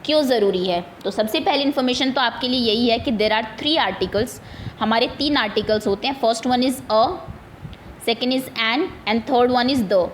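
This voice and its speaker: A woman's voice: fairly high pitch, slight background noise. Indian woman teaching English grammar. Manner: explains patiently in Hindi mixed with English, asks pupils questions. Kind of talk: online grammar lesson for children.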